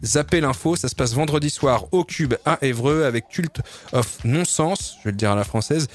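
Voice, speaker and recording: A male radio host talks through the local listings from a studio mic, his voice sitting at an ordinary middle pitch. He stumbles and restarts often, filling gaps with fillers, and slips in small jokes along the way. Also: a little fast, soft background music. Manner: loose, hesitant, many fillers, jokey. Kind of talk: casual radio chat and listings.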